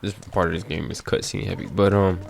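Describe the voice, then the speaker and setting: Low-voiced man, gravelly, casual gamer. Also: flat delivery, fairly quick. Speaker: video game streamer. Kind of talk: casual gameplay commentary. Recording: faint game noise behind voice.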